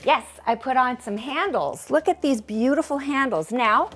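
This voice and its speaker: A woman's voice: sits high, moderate pace, a bit bright, faint music behind. A woman in her fifties giving a chatty, self-joking tour of her newly organized closet, talking straight to the camera. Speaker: home organizing vlogger. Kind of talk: casual chatty home tour. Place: bedroom closet in a home, indoors.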